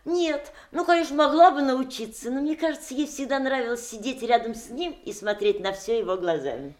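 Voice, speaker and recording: An actress playing an expressive woman who tells rambling family anecdotes in a theatrical audio drama. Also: sits high, a little fast. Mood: amused recounting.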